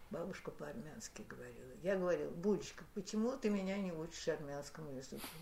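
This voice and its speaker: A woman's lively intonation, hardly any pauses and big swings in loudness, all with audible room echo. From Moscow, Russia. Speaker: historian. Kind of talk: oral history interview. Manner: halting.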